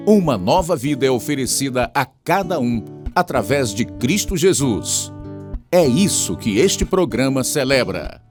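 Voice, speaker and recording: A man with a Brazilian accent narrating a scripted radio program as its announcer, measured and solemn. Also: medium pitch.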